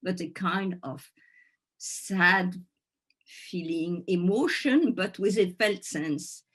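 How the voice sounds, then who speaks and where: Speaking slowly in a lowish voice, a French-accented workshop presenter leads an informal teaching session for a group. French is her native language, and she occasionally hunts for the right word.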